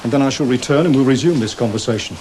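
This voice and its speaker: An actor playing an exasperated but reasoning senior teacher in a British television drama, with wry, patient reproach. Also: male voice, medium pitch, very fast, darkish tone, a little hiss or hum, natural voice. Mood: firm reasoning. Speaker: actor in a school drama series.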